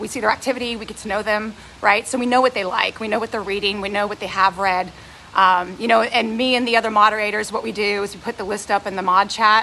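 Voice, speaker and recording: Over clearly audible background noise, a woman talks fairly quickly at a fairly high pitch. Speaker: book group moderator. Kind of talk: casual live video chat. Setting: outdoors, live video. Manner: fast; animated.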